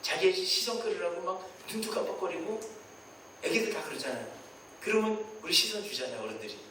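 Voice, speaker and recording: A man preaching a Sunday sermon as senior pastor, animated, acting out prayers and God's replies in quoted voices. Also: high-pitched, a little fast, a little hiss or hum. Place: church sanctuary. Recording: distant mic in a very echoey church hall.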